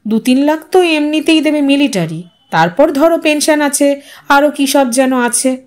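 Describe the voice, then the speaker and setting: A woman's voice: high voice, lively intonation, measured pace, a little mellow. A woman voicing a young village man in an audiostory, guilt-ridden, earnest and insistent. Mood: agitated, urging.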